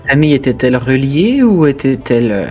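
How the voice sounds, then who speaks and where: A man's voice: medium pitch, very animated, a little fast, darkish tone. A man playing in a tabletop roleplaying game, speaking improvised dialogue in character. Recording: music playing under the voice.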